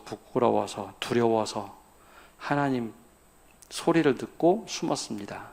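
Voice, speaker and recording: A man pastor preaching to his congregation at a midweek prayer service. His voice sits at an ordinary middle pitch, and he keeps throwing questions out to the listeners before answering them himself. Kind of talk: sermon.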